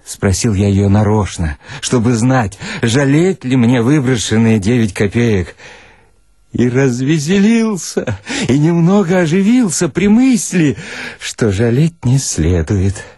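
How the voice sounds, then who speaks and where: A man reading a first-person literary story in a theatrical, dramatic and deliberate manner. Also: mid-range voice, sing-song, mellow, breathy edge, no room sound, clean studio sound. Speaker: narrator, reader.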